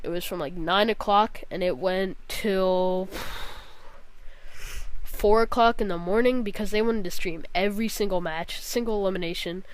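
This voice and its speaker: A woman's voice: mid-range voice, clean tone, no echo. A young woman gaming vlogger telling a long story casually, rambling with lots of fillers and swearing bluntly.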